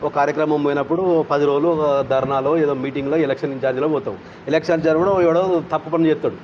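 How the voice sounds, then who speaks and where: Very rapid rambling man. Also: on the high side, steady tone, a little mellow, highs cut off, slight background noise. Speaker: interviewee, movement activist. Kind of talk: heated complaint in interview.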